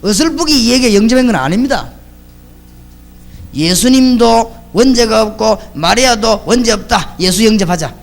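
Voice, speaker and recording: A middle-aged pastor preaches in a high-pitched voice. He tells lively stories and acts out the people he quotes as he goes. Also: moderate pace, gravelly. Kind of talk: sermon.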